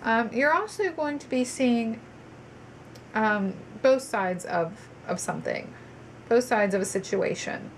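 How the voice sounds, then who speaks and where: A woman's voice: on the high side, expressive, slow, a little hiss or hum. Stuffy-nosed woman reading tarot cards. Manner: chatty, with frequent ums and restarts. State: stuffy, congested. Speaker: tarot reader. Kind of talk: monthly tarot reading to viewers.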